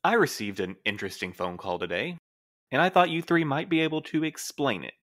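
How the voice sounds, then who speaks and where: An actor playing a stern, measured postmaster boss with a formal, probing manner in an audio drama. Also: male voice, medium pitch, lively intonation, fairly bright tone, natural voice. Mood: suspicious, controlled. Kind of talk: naturalistic audio drama acting.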